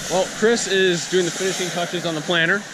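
High male voice at a fairly quick pace, fairly even intonation, clear background noise and audible room echo

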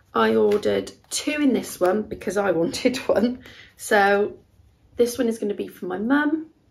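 Here a woman speaks at a moderate pace. She talks with a British accent. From UK. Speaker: knitting and crochet podcaster; crochet podcaster. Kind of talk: casual chat. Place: home room. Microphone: camera far.

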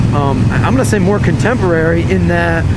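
Loud background noise runs beneath a man's voice. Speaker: motorcycle rider vlogger. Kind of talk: casual vlog chat. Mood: opinionated, relaxed. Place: motorbike. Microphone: helmet.

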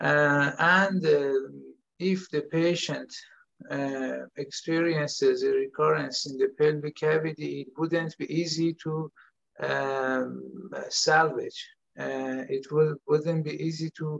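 A man speaks at a very slow pace in a Persian accent. The background is quiet. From Iran. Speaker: radiation oncologist; presenter. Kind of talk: panel discussion. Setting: video call. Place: home room. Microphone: video call.

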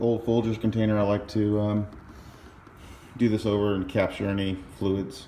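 Delivered at a moderate pace, the speech has monotone, flat intonation over light background noise. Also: man, fairly low pitch for a man. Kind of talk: tutorial. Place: garage. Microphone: phone near.

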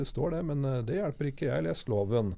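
Speaking very fast, this man has vocal fry and a dark, mellow tone. His pitch swings very widely. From Norway. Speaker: lawyer. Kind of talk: casual interview answering legal questions. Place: studio. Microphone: studio mic.

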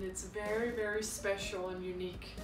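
Clear music plays in the background. Over it a woman speaks at a fairly slow pace. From Denmark. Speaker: chiropractor. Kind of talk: talk to camera introducing treatment. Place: office.

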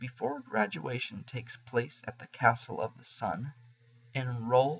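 A somewhat breathy man's voice, medium in pitch, with fairly even intonation and a fairly slow pace. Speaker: poet. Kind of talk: spoken word poetry reading, performed from a home recording. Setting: home recording. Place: home room. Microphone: webcam.

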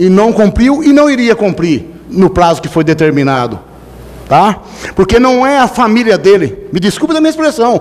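A man with a high pitch talks with very wide pitch swings. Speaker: town councillor. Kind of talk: public hearing speech. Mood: angry indignation. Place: hall. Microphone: podium.

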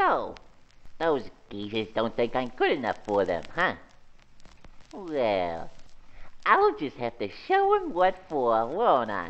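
A cartoonish character voice sits at a low-to-middle pitch. It moves at a fairly slow pace with long, frequent pauses. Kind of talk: 1930s cartoon voice acting. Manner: cocky, breezy, teasing.

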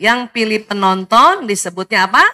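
A woman speaks in an animated tone that is bright and sharp. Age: 50s. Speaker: doctor and parenting speaker; speaker. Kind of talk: religious talk / lecture. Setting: mosque with audience. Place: hall.

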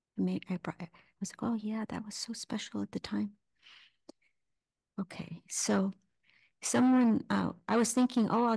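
A woman speaks in a somewhat breathy voice. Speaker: dharma talk teacher. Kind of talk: dharma talk. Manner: soft-spoken at times; halting.

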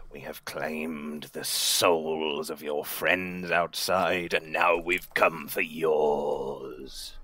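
In a put-on character voice, a man speaks very slowly with a raspy, very deep and low pitch, hardly pausing, over light background noise. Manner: creepy.

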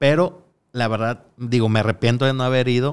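Speaking at medium pitch, a man keeps a moderate pace with ordinary pitch variation. The recording is very clean, with a silent background. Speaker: comedian and character performer. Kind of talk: casual interview. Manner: quiet, not very talkative.

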